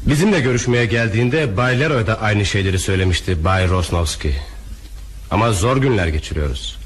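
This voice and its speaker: A man's voice: lowish voice, animated, fairly quick, breathy edge. A man acting a formal, controlled and unbending banker in a crime radio drama. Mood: firm, formal. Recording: faintly noisy radio drama recording.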